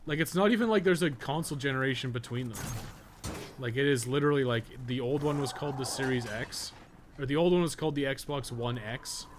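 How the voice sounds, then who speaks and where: A man's voice: medium pitch, brisk. A man chatting casually on a live game stream, rambling and wry, with loose, profane phrasing. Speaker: live streamer, podcast co-host. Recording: game audio noise behind voice.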